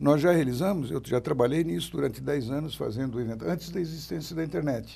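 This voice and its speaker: A man with a dark, mellow tone and medium pitch talks at a very fast pace with hardly any pauses, using lively intonation and some vocal fry. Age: 60s. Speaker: journalist. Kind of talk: TV panel discussion.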